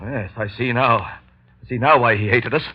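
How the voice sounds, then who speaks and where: A man's voice: mid-range voice, moderate pace, breathy edge, close to an everyday voice. An actor voicing Doctor Evans, a frightened male ex-convict, in a 1930s radio drama with an anxious, questioning manner. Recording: muffled old radio recording.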